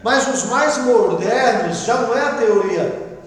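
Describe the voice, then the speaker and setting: Brazilian pastor lecturing, talks casually, drops quiet for asides, boomy reverb. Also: male voice, lively intonation, a little slow. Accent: Brazilian Portuguese. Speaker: pastor teaching a Bible class. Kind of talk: classroom Bible lecture, reading and explaining. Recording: echoey room with long reverb.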